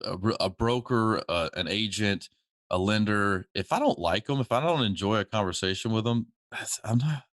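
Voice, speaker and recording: A man's voice: fairly low pitch, moderate pace, a bit bright, no room sound, studio quality. A man hosting a podcast in casual chat, telling stories animatedly, laughing often and mimicking other people's voices. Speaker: podcast host.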